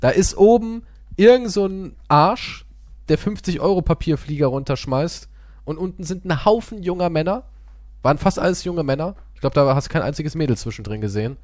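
A man's voice: a little high, a little fast, dry recording, clean studio sound. A man hosting a casual podcast, telling stories theatrically and teasing his co-host with sarcasm. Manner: animated, theatrical storytelling.

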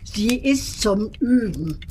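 Our speaker is a witch-school teacher in a children's radio play. She explains slowly and deliberately, with lively melodic intonation, over faint background ambience. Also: medium pitch, noisy background. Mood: measured, instructive. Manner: deliberate, instructive. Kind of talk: children's audio drama acting.

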